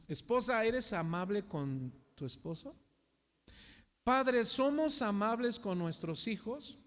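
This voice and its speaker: A pastor, middle-aged with a Mexican accent, delivers a sermon slowly and with lively intonation in a church hall, his high voice echoing in long reverb. He repeatedly turns rhetorical questions on the congregation, shifting from loud to hushed.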